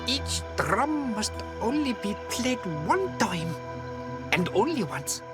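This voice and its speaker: An old tribal elder from a video game, mournful and fierce. His voice swings widely in pitch and moves slowly through riddling phrases, with clear music behind it. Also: sing-song, full character voice. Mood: cryptic, musing. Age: older. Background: game music under the voice.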